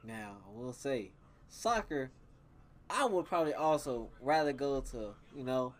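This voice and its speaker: A man's voice: medium pitch, expressive, a little slow. A young man as a podcast guest, chatting casually in an easygoing, slangy way with short quips. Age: young adult.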